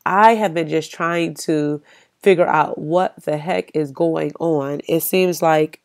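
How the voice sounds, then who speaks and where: Stuffy woman podcaster, low voice, chatty and encouraging, lots of ums. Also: slow pace. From United States. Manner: encouraging, conversational, frequent ums. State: stuffy from a cold. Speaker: podcast host. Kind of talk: solo podcast talk.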